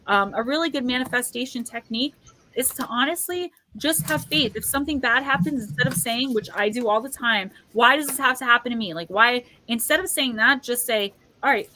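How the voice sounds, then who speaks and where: A woman's voice: a little high, pushed and bright, a little hiss or hum, rough recording. A woman hosting a casual livestream and tarot reading, talking in a chatty, rambling way with lots of "like". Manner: chatty, rambling, heavy use of "like". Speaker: livestream host and tarot reader. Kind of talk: casual live chat.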